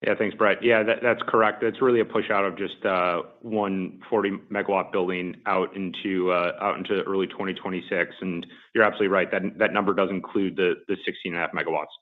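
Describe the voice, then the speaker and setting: Man, company executive, lowish pitch, businesslike, fielding investor questions, thin phone-line audio. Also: fairly even intonation, fairly quick, few pauses. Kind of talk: earnings call answers. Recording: muffled phone-like conference line.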